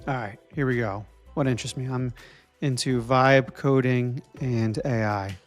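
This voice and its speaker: A man's voice: mid-range voice, steady tone, a little slow, faint music behind. A young man from New Jersey hosting a live stream, thinking aloud as he codes and answering viewers in casual chat.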